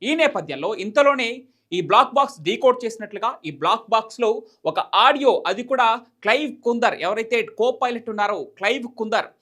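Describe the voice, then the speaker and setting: A male news presenter talks at a rapid clip. He explains things emphatically and circles back over his points in a commentary style. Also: extremely high pitch, pushed and bright.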